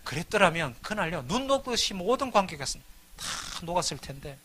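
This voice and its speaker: Animated, lively middle-aged man. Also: high-pitched, moderate pace. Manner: animated storytelling, acting out both sides of quarrels. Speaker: church lay minister. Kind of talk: humorous revival-meeting talk.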